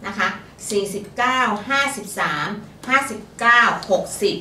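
A slightly high, bright voice with a forceful tone belongs to a woman who co-hosts a fortune-telling show as its fortune teller. At a measured pace she chats politely about lottery tips, sprinkling in frequent particles. The mic is distant, the space roomy, with faint noise.

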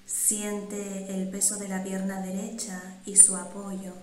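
A woman guiding a meditation in calm, measured instructions with pauses between phrases. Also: mid-range voice. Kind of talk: slow, soothing guided meditation. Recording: roomy, echoing sound.

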